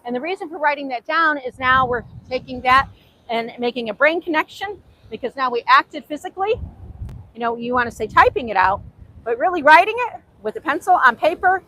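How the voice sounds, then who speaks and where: A woman with a Hungarian accent, Hungarian being her first language, is an author and host giving an earnest, motivational faith talk to camera outdoors at a beach. Her high-pitched voice is expressive, a little fast, bright and forceful, and she repeats herself often while carefully overpronouncing words. The audio is poor, with a little hiss or hum.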